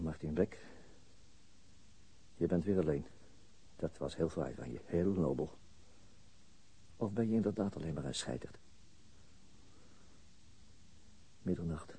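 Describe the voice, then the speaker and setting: An actor playing a reserved, self-mocking police detective with a halting way of talking, in a radio drama. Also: male voice, very deep voice, vocal fry, dark tone, slightly rough, exaggerated voice. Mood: bitter, brooding. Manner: hesitant, halting. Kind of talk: Dutch radio drama acting.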